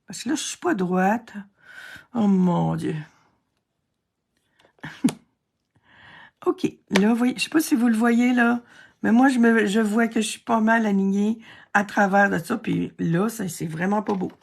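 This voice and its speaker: Slow, gravelly Québécois woman crafting. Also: mid-range voice. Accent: Québécois French. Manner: chatty, self-deprecating, thinks aloud while working. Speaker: card-making crafter. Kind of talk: casual craft tutorial narration.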